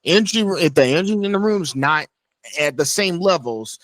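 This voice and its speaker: A man hosting a casual interview, with loose and halting phrasing as he asks questions. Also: a little high, expressive, a bit bright, no echo. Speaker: interview host.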